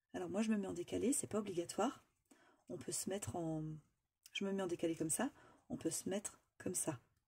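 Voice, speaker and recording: The voice has vocal fry and a dark, mellow tone, with lively intonation. It moves at a fairly quick pace, broken by long, frequent pauses. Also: woman, medium pitch for a woman. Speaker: crafting youtuber. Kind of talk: tutorial.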